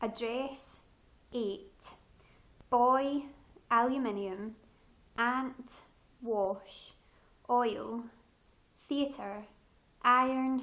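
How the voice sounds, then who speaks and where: A woman with a West Central Scottish accent speaks at a high pitch and a very slow pace, with ordinary pitch variation and long, frequent pauses. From Scotland, near Glasgow. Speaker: beauty vlogger. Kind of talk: casual vlog chat; reading word list aloud. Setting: indoors at home by a window.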